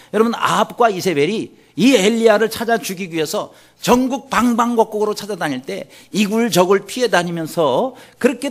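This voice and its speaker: A male pastor preaching a sermon, asking the congregation questions and voicing anguished quoted pleas. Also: high-pitched.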